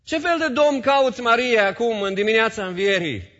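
A man's voice: extremely high pitch, fairly bright tone, big-room sound, dull audio, voice pushed up. A man voicing a male spiritual teacher who asks insistent, repeated questions.

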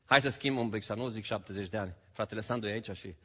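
A man from Romania preaching a sermon as pastor, swinging between loud declaiming and quiet asides, dropping in English phrases. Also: fairly low pitch, husky. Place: church hall. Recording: dull sound with long hall reverb.

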